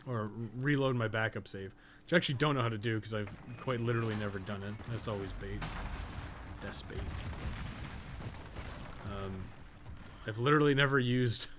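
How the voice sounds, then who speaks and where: A man giving casual live gameplay commentary, thinking aloud in a rambling, sweary way with jokey asides. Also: medium pitch. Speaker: video game streamer, podcast co-host. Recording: clearly noisy background.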